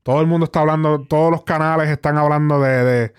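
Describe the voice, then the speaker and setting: A man's voice: a little high, fairly even intonation, quick pace, clear, resonant tone. A man with a Caribbean Spanish accent hosting a casual interview, switching between Spanish and English in Spanglish. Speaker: interviewer and show host.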